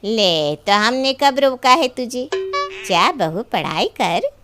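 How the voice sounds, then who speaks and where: A woman playing a bossy, nosy middle-aged mother-in-law in a story, with emphatic drawn-out delivery. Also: on the high side, big pitch swings, fairly bright tone, faint music behind, full character voice. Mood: feigned reassurance.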